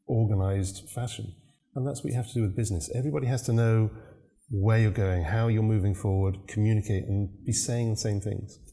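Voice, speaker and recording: A man with a low, mellow voice explains his ideas in a calm, measured way. He is an interview guest, reflective and steady as he talks about how companies work. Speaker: business consultant guest. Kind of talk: interview answers.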